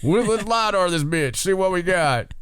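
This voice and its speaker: A man's voice: high voice, animated, moderate pace, fairly bright tone, clear, resonant tone, no echo, clean studio sound, pitched above the performer's own voice. A man voicing a gung-ho, folksy biplane adventurer in a comic bit on a podcast.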